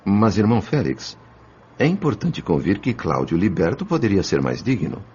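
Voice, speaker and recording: An actor playing an earnest, reverent spirit apprentice who narrates a radio drama in formal, literary language. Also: male voice, on the low side, sing-song, moderate pace, dark tone, in a large hall, dull audio, slight background noise. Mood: questioning.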